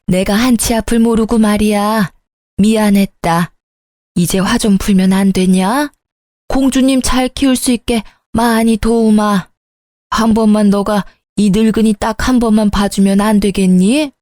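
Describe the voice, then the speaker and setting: Woman reading as a fussing old grandmother, cooing, repentant, mellow voice, dry close sound. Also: mid-range voice, measured pace, no echo, lightly acted. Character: doting old grandmother, repentant, chattering to a baby.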